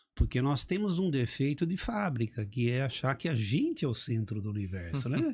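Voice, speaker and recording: In a very clean recording with a silent background, a man with medium pitch speaks at a moderate pace with hardly any pauses, very wide pitch swings and a somewhat breathy voice. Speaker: public speaking trainer. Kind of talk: podcast interview. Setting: studio.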